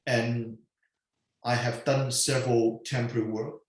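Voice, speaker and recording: A man in his forties who grew up in Hong Kong, telling his story as an interview guest in a halting way, with many "okay" and "um" fillers. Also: mid-range voice, flat delivery. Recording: very echoey room.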